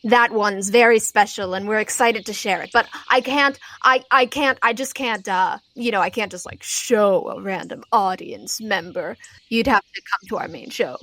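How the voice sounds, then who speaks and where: A woman voicing an excitable, charismatic male circus ringleader in a tabletop game, gushing and coy. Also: medium pitch, normal speed, no echo, close to an everyday voice. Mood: coy, boastful.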